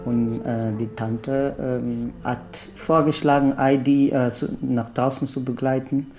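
A man retelling a story in a halting, spoken way. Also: medium pitch, little pitch movement, over music. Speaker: participant retelling a film story.

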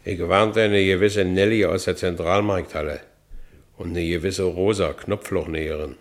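An actor playing a gullible working-class Berlin ex-convict in a radio play, colloquial and self-justifying, with a Berlin accent. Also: male voice, low-pitched, fairly even intonation, normal speed, close to an everyday voice. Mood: wry narrating. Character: Franz Bieberkopf, gullible working-class Berlin ex-convict narrating his life. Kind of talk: radio play narration and dialogue.

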